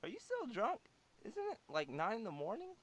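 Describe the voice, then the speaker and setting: A man's voice: high voice, huge pitch swings, moderate pace, no echo, heavily acted. A man playing a naive, eager young gamer nerd recruit in a cartoon, full of gamer slang.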